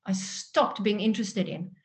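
A woman's voice: mid-range voice, normal speed. A woman in her forties with a South African accent and Afrikaans as her first language, telling her own story earnestly and expressively as an interview guest. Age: 40s. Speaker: guest, author and parenting workshop presenter.

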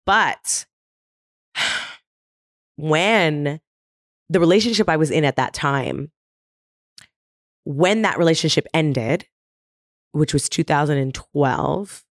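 Low-voiced woman guest, earnest and dry. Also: lively intonation, slow, pauses often, no room sound. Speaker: guest, performer. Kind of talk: casual conversational interview.

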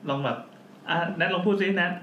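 Podcast host, man, quick joking talker, steers the chat, roomy echo. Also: a little high, highs cut off, a little hiss or hum. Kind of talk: casual chat.

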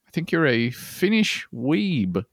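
Male podcast co-host, deadpan jokes, gravelly edge, dry close mic. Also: a little high, slow, dry recording. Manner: jokey, deadpan asides, frequent laughs. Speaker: podcast co-host reading listener posts. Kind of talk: casual comedic podcast chat.

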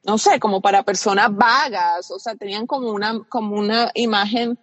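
A woman's voice: mid-range voice, moderate pace, no echo, long reverb tail, dull audio. Colombian coastal woman, dry close voice. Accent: Colombian Caribbean coast. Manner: reflective, frequent fillers and restarts. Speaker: guest. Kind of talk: casual interview conversation.

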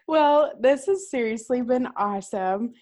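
A woman's voice: on the high side, a little mellow. A woman co-hosting a podcast, asking questions in an upbeat, enthusiastic way. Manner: upbeat, enthusiastic, laughs along. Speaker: podcast co-host. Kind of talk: casual interview chat.

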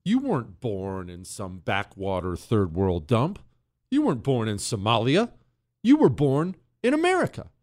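A man hosts a talk radio show from a studio mic. His pitch swings widely as he rants in mock outrage. He teases a co-host in a blustering, playful way. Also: unhurried. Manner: animated, ranting, mock-outraged, teasing a co-host. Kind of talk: opinionated talk radio monologue.

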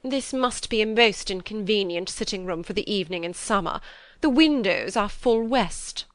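A woman voicing a haughty, imperious older aristocratic lady who speaks stiffly and slowly. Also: medium pitch, expressive, a bit bright, no echo, studio quality, lightly acted. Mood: stiff, condescending. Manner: stiff, slow and commanding.

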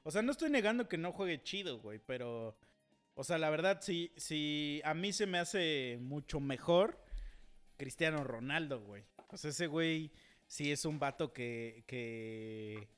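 A young Mexican man with a Mexican accent and a slightly high voice, chatting loosely on a podcast. He rambles through crude, profanity-laced stories with plenty of restarts, while faint guitar music plays in the background. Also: expressive, unhurried, a bit bright, clean tone. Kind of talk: casual chat.

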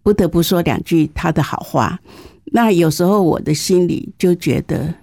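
A woman in her sixties speaks Mandarin with a southern Taiwanese accent. Her voice is soft-edged and mellow, sitting a little low. She talks candidly and with self-deprecating humor, like a guest sharing life stories, in a close, dry recording. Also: moderate pace, no echo. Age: 60s. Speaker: interview guest, teacher. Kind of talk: conversational personal storytelling.

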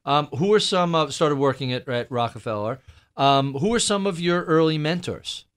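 A man hosting an interview, curious and quick to affirm his guest. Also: fairly high pitch, lively intonation, smooth. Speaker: interview host. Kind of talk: conversational interview.

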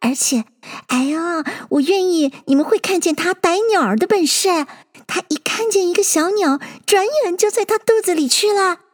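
A woman's voice: extremely high pitch, normal speed, in a large hall, voice pushed up. A woman voicing a polite, eager young girl in a storybook reading, apologetic and chatty.

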